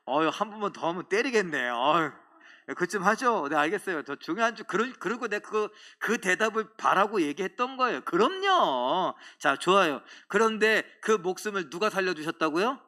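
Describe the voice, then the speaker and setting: A middle-aged male pastor giving a lively sermon in a church, acting out little scenes and joking with the congregation. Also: high-pitched, moderate pace. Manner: animated, acts out voices and jokes with the congregation. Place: church sanctuary.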